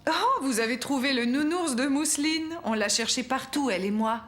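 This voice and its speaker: A woman voicing a caring, patient but firm mother in a French children's cartoon, expressive and clearly articulated. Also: sits high, moderate pace. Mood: delighted.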